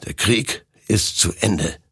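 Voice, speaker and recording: Man doing a ghostly death rider, all-knowing, menacing, very slow and drawn out, high and gravelly. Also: a bit bright, no room sound, clean studio sound, exaggerated voice. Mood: slow menace.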